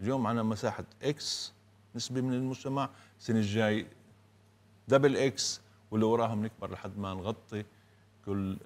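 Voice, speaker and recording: Long, frequent pauses break up a man's speech, delivered at a moderate pace and a fairly low pitch with ordinary pitch variation. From Nazareth area, Galilee; Galilee. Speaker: film director and project coordinator; guest. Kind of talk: TV morning show interview. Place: studio. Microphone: lapel.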